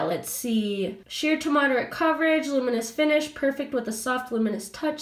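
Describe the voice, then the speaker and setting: A woman with a high, bright voice chats casually with her viewers while going through her makeup. She sounds a little sniffly and congested from a cold. The sound carries a noticeable echo from the room around her. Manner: friendly, upbeat, talks straight to viewers. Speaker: beauty vlogger. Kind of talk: casual chatty product review. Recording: echoey room.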